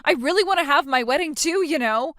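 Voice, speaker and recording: A woman's voice: high-pitched, expressive, fairly quick, a bit bright, no echo, studio quality. An actress playing a self-absorbed bride who whines, stammers and makes demands of her sister. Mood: whiny, demanding. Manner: whiny, self-pitying, stammering. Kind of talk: scripted drama acting.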